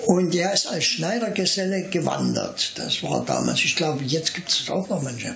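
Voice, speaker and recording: High pitch for a man, a moderate pace, and noticeable background noise. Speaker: contemporary witness of Nazi era. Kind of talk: interview answer.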